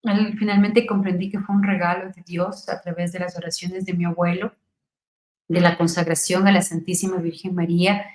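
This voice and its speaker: Fervent and emotional, a middle-aged woman from Ecuador shares her personal testimony, her voice climbing to near-shouts before dropping to quiet murmurs. It is fairly low and level in tone at a moderate pace, captured with roomy, poor-quality audio.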